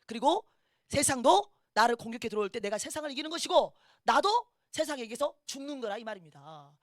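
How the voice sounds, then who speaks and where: A middle-aged woman pastor preaches in a high, quick voice. She tells her story in a lively way and acts out each quoted voice. The sound is close and dry. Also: dry recording. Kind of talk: sermon with personal testimony.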